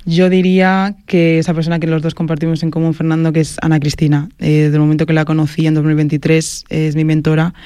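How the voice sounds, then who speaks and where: A woman's voice: low voice, little pitch movement, fast, few pauses, warm tone, no echo. Earnest woman guest, dry studio sound. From Madrid, Spain. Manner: earnest, with frequent fillers and self-corrections. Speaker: guest, sports marketing agency founder. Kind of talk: casual interview talk.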